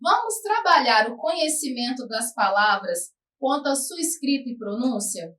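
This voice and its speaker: A woman teacher with a Brazilian Portuguese accent giving a recorded lesson to adult students, speaking slowly and drawing out her words. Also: sits high, animated, a bit bright, recorded from a distance. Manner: slow, careful, drawn-out words. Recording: echoey room, somewhat off-mic.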